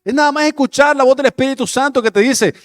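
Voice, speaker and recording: High-voiced impassioned male preacher. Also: fast, no room sound, studio quality. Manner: impassioned preaching, swinging from loud declarations to hushed prayerful asides. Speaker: pastor. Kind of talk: sermon.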